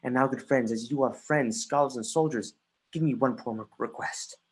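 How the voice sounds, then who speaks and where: An intense young prince played by a man speaks Shakespearean verse in a medium, husky register. He is wry and erratic, impassioned but halting in his delivery. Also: mid-range voice, close to an everyday voice. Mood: wry, insistent. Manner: impassioned, halting reading with stumbles. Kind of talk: Shakespearean verse in a livestreamed dramatic reading. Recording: remote livestream audio.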